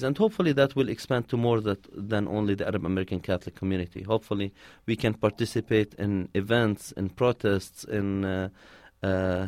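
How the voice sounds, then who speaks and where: Low-voiced man, close dry sound. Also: darkish tone, dry recording. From Palestine. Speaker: interviewee, community organizer. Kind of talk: conversational interview answers, telling personal stories.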